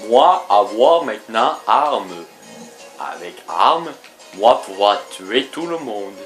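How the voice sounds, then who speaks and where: A man's voice: fairly low pitch, very animated, fairly bright tone, faint music behind, voice pushed down, heavily acted. A man voicing a boastful male game character with a put-on Russian accent and broken, caveman-like French. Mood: menacing. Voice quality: broken caveman-like grammar, slow heavy delivery.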